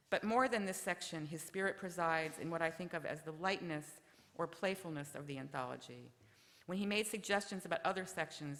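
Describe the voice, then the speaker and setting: A woman giving measured prepared remarks at a memorial session, reading from her text. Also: deep voice, fairly bright tone. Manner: measured, ends with a told joke. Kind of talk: prepared remarks read aloud. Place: lecture hall. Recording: lecture hall reverb.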